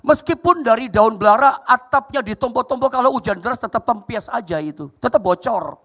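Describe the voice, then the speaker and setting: A man preaching a sermon, telling a story with lively acted-out quotes and sound effects. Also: extremely high pitch, brisk. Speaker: pastor. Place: church sanctuary.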